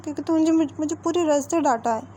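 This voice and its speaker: A woman's voice: sits high, fast, mellow, slight background noise, pitched above the performer's own voice, natural voice. A woman voicing a timid, easily frightened young man who stammers and pleads. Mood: scared, sulky.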